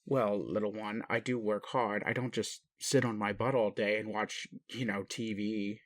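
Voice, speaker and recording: A man playing a gentle, puzzled alien daddy in an intimate roleplay audio, indulgent and bemused, with questioning hesitations. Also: fairly low pitch, steady tone, moderate pace, no echo, studio quality, close to an everyday voice. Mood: playful, bemused. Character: gentle, puzzled alien daddy, adult male spaceship commander. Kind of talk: intimate roleplay audio, speaking to one listener.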